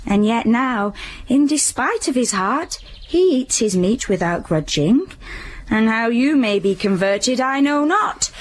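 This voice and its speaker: A woman's voice: a little high, expressive. A woman playing a teasing witty maid. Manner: teasing, bawdy and quick-witted. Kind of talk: Shakespeare audio play.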